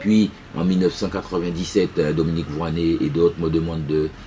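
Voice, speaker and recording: Noticeable background noise accompanies this recording. The man's voice has a very deep, low pitch. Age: 60s. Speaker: lawyer and environmental activist. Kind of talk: interview. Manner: hesitant, many fillers.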